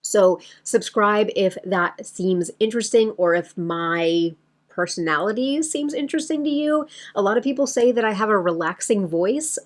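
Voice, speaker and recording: Woman, beauty vlogger, medium pitch, casual, chatty, rambling, speaking straight to viewers. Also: expressive, moderate pace. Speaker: beauty vlogger and host of her channel. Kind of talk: casual chatty vlog to camera.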